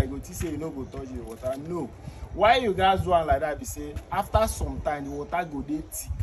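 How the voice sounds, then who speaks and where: A man in his thirties with a Nigerian Pidgin English accent, a fish farmer explaining the steps outdoors beside his fish tanks and repeating the key points. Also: a little high. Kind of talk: outdoor farming tutorial. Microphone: phone camera at a short distance. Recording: outdoor phone video with noticeable ambient noise.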